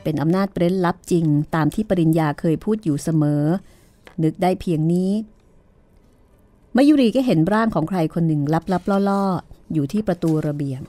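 A woman podcast host narrating a horror novel in a measured storytelling manner. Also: on the low side, dark tone, dry recording, soft background music.

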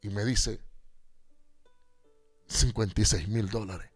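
A man, a pastor on a Christian radio show, giving an animated personal testimony and acting out the dialogue as he tells it. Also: lowish voice, slow pace, breathy edge, no echo, soft background music.

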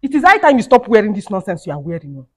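A skit actor in a comedy sketch plays a fiery young wife feuding with her mother-in-law, ranting, scolding, and repeating herself. Her mid-range voice is very animated and fast, a little mellow and slightly rough.

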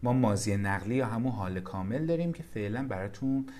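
Persian-accented man teaching English, lively pitch. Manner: explains slowly, reads English phrases out then translates. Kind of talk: vocabulary lesson explaining a textbook.

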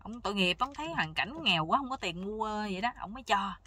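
A woman telling a comic folk tale in a casual, lively way, acting out the characters' lines. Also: mid-range voice, fast, slightly rough. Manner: lively, playful, acts out every character's lines. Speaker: storyteller. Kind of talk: casual spoken folk joke storytelling.

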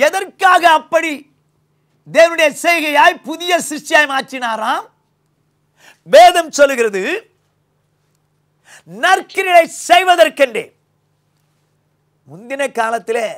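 An older man with a Tamil accent preaching a sermon from a small indoor studio on a lapel mic, swinging between loud emphasis and low quiet lines. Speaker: pastor.

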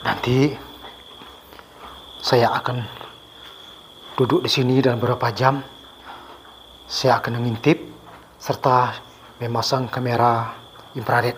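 A man's voice: medium pitch, little pitch movement, takes it slowly, pauses often. Man exploring a ruin at night, crickets. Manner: addresses viewers, calls out loudly to spirits. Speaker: ghost-hunting vlogger. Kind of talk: hushed exploring commentary. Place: abandoned overgrown building outdoors at night. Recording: faint night insect noise. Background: crickets and insects.

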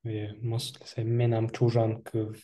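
Dark-voiced young man, native Komi speaker. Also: fairly low pitch, monotone. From Komi Republic, Russia. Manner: patient, explanatory, with pauses. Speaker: guest. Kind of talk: casual video-call interview. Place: small room indoors. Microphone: headset.

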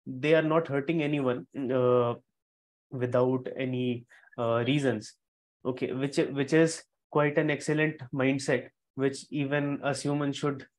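A young man talks over a headset on a video call, pausing often and filling the gaps with "uh" as he works through an impromptu answer. His voice sits at a middle pitch. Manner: hesitant, many fillers. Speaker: club member answering a table topic. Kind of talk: impromptu speech.

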